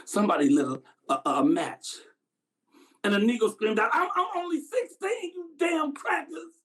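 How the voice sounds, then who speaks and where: A man's voice: sits high, lively intonation, moderate pace. A man performing a dramatic monologue as a haunted Southern man, stammering and repeating words as he recalls a boyhood horror. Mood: desperate pleading.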